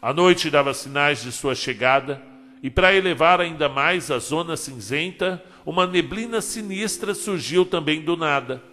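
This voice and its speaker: A man reading a short story aloud as narrator, dramatic and emotional, with long pauses. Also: on the high side. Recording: long hall reverb, soft music behind. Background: soft background music.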